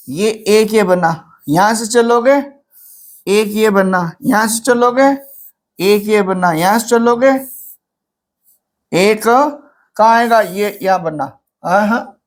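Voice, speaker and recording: An English literature teacher giving an exam-prep lecture, patiently counting syllables aloud, asking rhetorical questions and mixing English terms into the explanation. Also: medium pitch.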